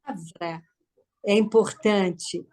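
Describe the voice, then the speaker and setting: A woman's voice: medium pitch, steady tone, slow pace, darkish tone. A Brazilian woman asking and commenting in a reflective, casual conversation. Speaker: participant questioning and commenting to guests.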